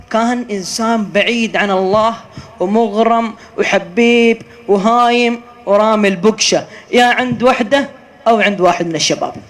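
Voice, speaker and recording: A male preacher tells a cautionary tale in a notably high voice. He climbs to loud, urgent peaks and then drops to near-whispers. His sermon storytelling is emotional and dramatic. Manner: emotional, swings between rising shouts and hushed lines.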